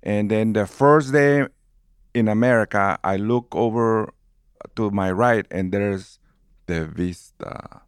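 Man, 50s, Guatemalan accent; lively storyteller, dry close sound. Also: on the low side, slow, clear, resonant tone, dry recording. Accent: Guatemalan Spanish. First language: Spanish. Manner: warm, animated storyteller who laughs easily. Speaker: movie theater manager. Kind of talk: storytelling in an interview.

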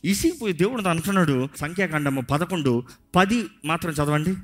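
A man's voice: on the high side, animated, brisk, faint music behind. A man preaching a sermon as pastor, passionate and mixing in English phrases.

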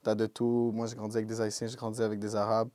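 A young man with a Québécois French accent, a rapper answering interview questions in a relaxed way and dropping English slang. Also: fairly low pitch, fast talker, dry recording, studio quality. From Quebec, Canada. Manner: laid-back, peppered with English slang like "yo" and "bro". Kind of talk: casual interview talk.

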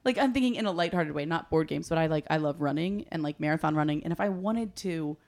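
A woman's voice: sits low, fast talker, a little mellow. A young woman, a comedian guest, chatting casually on a podcast, laughing often and trailing off with filler words.

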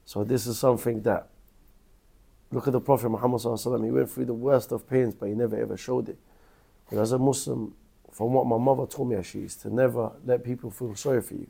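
A man's voice: mid-range voice, steady tone, quick pace, gravelly, warm tone, slightly rough. A man in his thirties from Iraq, earnestly telling his life story as an interview guest.

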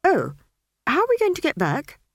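A woman's voice: high voice, wildly swooping pitch, moderate pace, dry recording, studio quality, voice pushed up, exaggerated voice. A woman voicing a nervous, flustered older male wizard in a storybook reading. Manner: nervous, hesitant.

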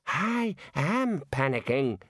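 A man voicing a frail, muddled old wizard with a wheezy, halting, quavering delivery in a fantasy storybook reading. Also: on the high side, very animated, fairly bright tone, dry recording, studio quality, exaggerated voice. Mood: muddled, panicky.

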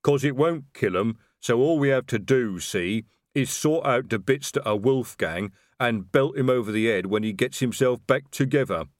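A man's voice: medium pitch, normal speed, no room sound, clean studio sound, natural voice. A man doing a blunt plodding troll sergeant. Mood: matter-of-fact. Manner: plodding, dropped-letter speech.

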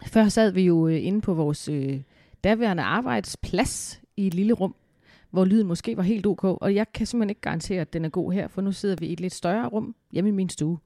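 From her living room, a woman with a cold co-hosts a podcast in a mid-range, dark-toned voice. The conversation is easygoing, upbeat, and filler-heavy, and the studio-quality recording carries no room sound.

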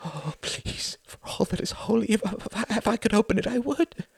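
A man's voice: expressive, moderate pace, gravelly, husky, dry recording, studio quality, full character voice. A man voicing a terrified male newspaper editor who stammers and begs desperately. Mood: terrified pleading. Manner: shrill, stammering, desperate begging.

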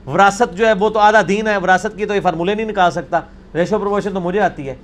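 A man answering questions as a religious scholar, emphatic and argumentative, quick to correct the other person. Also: sits high, steady tone. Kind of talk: conversational Q&A lecture.

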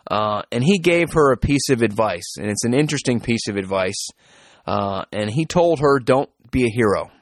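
A man with a mid-range voice talks through a podcast introduction in a loose, halting way, full of fillers and restarts. The sound is dry and close, with no room around it. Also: medium pitch, expressive, dry recording. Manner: hesitant, many fillers and restarts. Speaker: podcast host and interviewer. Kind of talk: casual spoken introduction, then interview questions.

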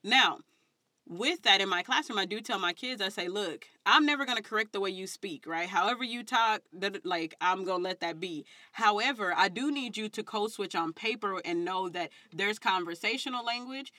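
A woman's voice: medium pitch, normal speed, bright, forceful tone, no room sound. A woman in her thirties with a Southern African American English accent, talking candidly and emphatically in slangy, unfiltered conversation as an interview guest. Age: 30s.

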